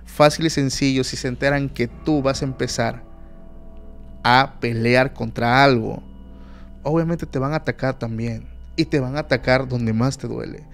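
A man's voice: medium pitch, moderate pace, soft background music. Mexican man telling an eerie story. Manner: emphatic, animated retelling with many fillers. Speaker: podcast guest. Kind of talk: casual storytelling.

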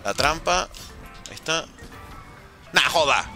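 A man's voice: fairly high pitch, lively intonation, takes it slowly, sharp tone, faint music behind. A young man streaming a zombie game live, playfully joking, teasing his chat and swearing as he plays. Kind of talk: live gaming commentary, reading chat.

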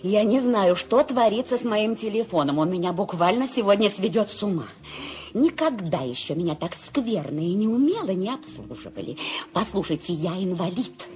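Actress playing a nervous, shrill bedridden lady. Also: expressive, moderate pace, darkish tone, lightly acted. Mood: indignant. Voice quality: shrill, imperious and fretful. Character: nervous bedridden wealthy woman, irritable and demanding. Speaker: Mrs. Stevenson. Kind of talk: Soviet-era radio play acting.

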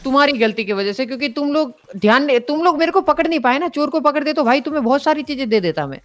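A player on a game server in casual chat, insistently demanding an item back and talking fast. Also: high voice, animated, a bit bright.

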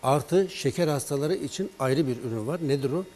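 A man's voice: a little high, fairly quick. Man telling a patient story. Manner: animated storyteller, acts out patient's and his own words in dialogue. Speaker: herbal remedy expert on a broadcast. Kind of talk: storytelling health talk.

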